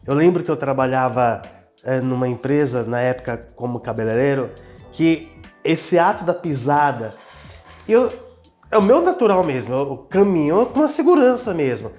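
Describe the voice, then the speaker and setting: Very animated and darkish in tone, this medium-pitched male voice moves at a moderate pace with gentle music in the background. The Brazilian Portuguese-accented business owner recounts his own experiences earnestly and casually, with a self-reflective, personal touch.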